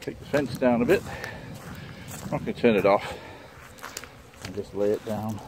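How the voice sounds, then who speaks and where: The man's voice shows ordinary pitch variation. The sound is dry with no echo, but there is noticeable background noise. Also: moderate pace. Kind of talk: casual vlog narration. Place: open country. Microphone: phone near.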